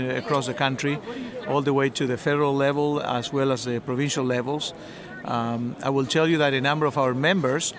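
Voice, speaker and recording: A middle-aged man from Argentina who represents an industry association, answering interview questions at a measured pace with frequent fillers and restarts. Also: mid-range voice. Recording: crowd noise behind.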